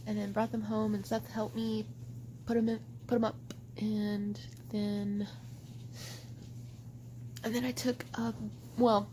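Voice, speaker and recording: A woman book vlogger chatting casually to camera at home, animated and overdramatic, with lots of "like". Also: fairly high pitch, slight background noise, rough recording. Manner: animated and overdramatic, heavy use of "like". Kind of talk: casual vlog chat to camera.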